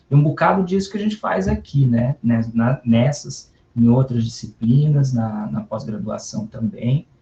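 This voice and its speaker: Somewhat breathy and dark, mellow in tone, a man talks at a fairly slow pace with very wide pitch swings and hardly any pauses. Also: medium pitch for a man. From Paraná, southern Brazil. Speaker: university professor. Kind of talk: class introduction. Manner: halting, many repetitions.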